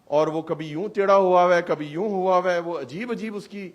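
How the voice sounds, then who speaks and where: A male pastor preaches a live sermon in a church hall. He speaks in an animated way and keeps asking the congregation rhetorical questions. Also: sits high, lo-fi sound.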